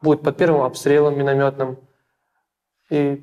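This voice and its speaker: A young Russian man answers interview questions in a small, plain room, halting, repeating words, and using many fillers. His mid-range voice is level in tone and a little mellow, and the audio is dull.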